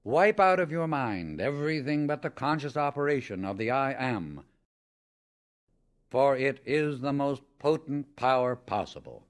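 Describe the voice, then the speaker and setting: A man narrating a scripted spiritual audiobook in a measured, emphatic, instructional manner. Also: medium pitch, expressive.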